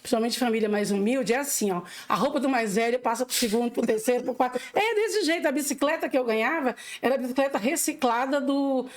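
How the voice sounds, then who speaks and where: Earnest woman with a high voice. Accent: Brazilian Portuguese. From Bahia, Brazil, raised in Minas Gerais. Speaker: political candidate, interview guest. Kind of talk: casual interview talk.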